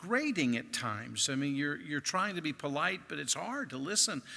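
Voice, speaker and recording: The speaker has an American accent. Vocal fry runs through the voice. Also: man. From US Pacific Northwest, Seattle. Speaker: pastor. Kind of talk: testimony. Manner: halting.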